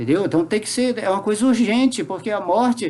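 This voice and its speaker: A man's voice with a dark, mellow tone. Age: 60s. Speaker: spiritual teacher. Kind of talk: evening spiritual lecture.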